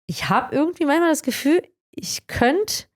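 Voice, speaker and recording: A woman's voice: sits high, expressive, moderate pace. Chatty woman interviewer asking "ne?". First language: Croatian. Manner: chatty, frequent tag questions "ne?". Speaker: interviewer, colleague. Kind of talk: casual conversational interview.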